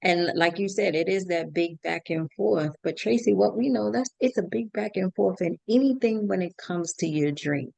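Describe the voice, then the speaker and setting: A woman's voice: fairly low pitch, moderate pace, creaky, few pauses, darkish tone, no echo. An American woman hosting a conversational, motivational podcast, emphatic and fond of repeating phrases. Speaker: podcast host. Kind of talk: conversational interview, motivational talk.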